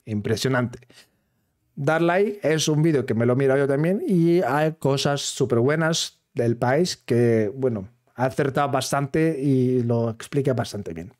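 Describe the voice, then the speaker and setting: Mellow-voiced Swiss man vlogging. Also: mid-range voice. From Switzerland. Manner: careful, halting Spanish of a non-native speaker. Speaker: gaming video creator. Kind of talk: casual talk to camera.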